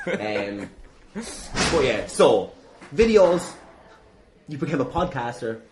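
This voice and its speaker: An Irish man hosts a podcast interview with casual banter and plenty of swearing. His voice sits at a middling pitch, and there is clear noise from the venue behind him. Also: sing-song, takes it slowly. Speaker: podcast host. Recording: noisy venue with clatter behind. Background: noise from a wrestling ring.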